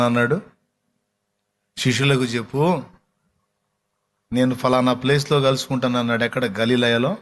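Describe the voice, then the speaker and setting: Male pastor, passionate sermon delivery, medium pitch. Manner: impassioned, rising to near-shouting in exhortation.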